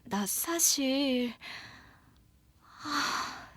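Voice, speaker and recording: An actress playing an anxious young woman confiding in a friend, in horror audio drama dialogue with a hesitant, halting delivery. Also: sits high, animated, a bit bright, no room sound, full character voice. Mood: hesitant, fearful. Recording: background music under the voice.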